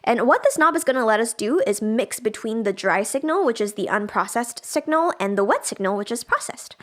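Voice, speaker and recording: A woman's voice: a little high, lively intonation, fairly quick, a bit bright. A woman trainer teaching music production in a casual, chatty livestream style, thinking aloud as she demonstrates. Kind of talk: casual livestream software tutorial.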